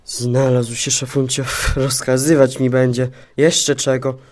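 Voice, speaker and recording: A man plays a cartoonish male blood cell from an audio story, forever put upon and itching for revenge. He whines and grumbles melodramatically in a middling pitch. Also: little pitch movement, a little slow, natural voice. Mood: grumbling. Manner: melodramatic complaining. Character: whiny, grumbling, vengeful male red blood cell joker.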